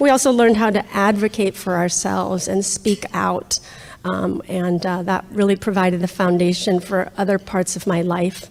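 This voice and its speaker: Over noticeable background noise, a woman speaks at a moderate pace, her medium pitch held in fairly even intonation. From US West, Los Angeles. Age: 40s. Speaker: social worker and patient speaker. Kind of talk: conference talk. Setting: conference stage with audience.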